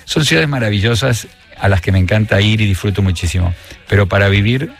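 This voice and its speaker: A man with an Argentine accent, a guest on a radio show, talking in a reflective, measured way with frequent pauses and restarts. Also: fairly low pitch, gravelly, faint music behind. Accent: Argentine Spanish. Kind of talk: relaxed radio conversation.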